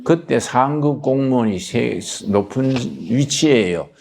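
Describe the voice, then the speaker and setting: Older man, pastor, gravelly and slow, folksy anecdotal sermon delivery. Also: mid-range voice, lively intonation, a little mellow, slight background noise. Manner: folksy, plain-spoken, anecdotal. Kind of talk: storytelling sermon.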